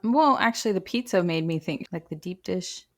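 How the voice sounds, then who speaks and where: A woman's voice: fairly low pitch, lively intonation, normal speed, no room sound. A woman co-hosting a podcast in casual banter, dropping dry, teasing remarks. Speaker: podcast co-host reacting to the story.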